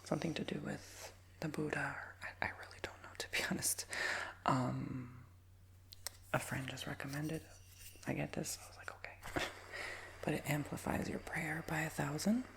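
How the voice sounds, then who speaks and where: A man in his twenties with a nasal, raspy voice, giving a soft, rambling ASMR whisper with many fillers. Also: fairly high pitch, steady tone, normal speed. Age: 20s. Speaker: ASMR creator.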